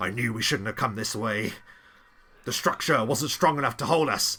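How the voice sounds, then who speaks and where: A man puts on a gruff character voice at a medium pitch. His pace is moderate and his pitch variation ordinary. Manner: resigned, complaining.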